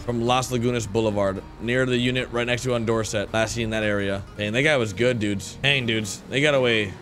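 A man's voice: mid-range voice, steady tone, brisk, a bit bright. Young American guy doing gameplay commentary, music behind. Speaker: gaming video creator playing a police officer. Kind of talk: casual roleplay gameplay commentary. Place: indoor room at a gaming setup.

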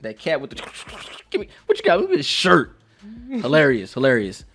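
A man's voice: on the high side, huge pitch swings, normal speed, a bit bright, faint music behind. A man hosting a casual reaction chat in a slangy, informal way. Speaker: reaction channel host.

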